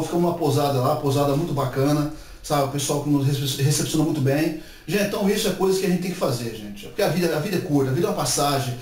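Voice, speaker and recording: A man's voice: fairly high pitch, a little hiss or hum. Chatty man, echoey distant room. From Brazil. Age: 40s. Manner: chatty, animated gestures, many filler tags like "né" and "tá certo". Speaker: YouTube channel host. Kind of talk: casual vlog monologue to camera. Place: indoor room before a painted wall. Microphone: camera mic from a few meters away. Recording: echoey room, far from the mic.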